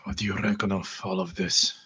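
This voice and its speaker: A man's voice: low voice, level tone, fairly quick, bright, forceful tone, breathy edge. A man taking part in a tabletop roleplaying game, speaking and acting for his character.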